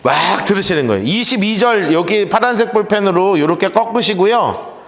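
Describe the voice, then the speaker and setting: A man preaching a sermon, emphatic and animated, often acting out voices. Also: high voice, moderate pace, creaky. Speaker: pastor. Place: church sanctuary. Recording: echoey church hall.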